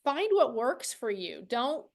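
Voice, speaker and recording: A woman's voice: on the high side, very animated, slow pace, creaky. A woman hosting an interview casually, affirming and encouraging her guests as she talks. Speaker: interview host.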